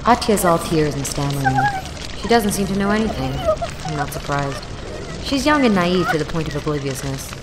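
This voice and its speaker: Snarky young woman, very animated. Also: on the low side, moderate pace, long reverb tail, heavy background noise. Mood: wry, stunned. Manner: sarcastic, wry, self-deprecating. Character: snarky, exasperated 24-year-old woman, broke college student. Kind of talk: first-person audio drama narration. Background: music.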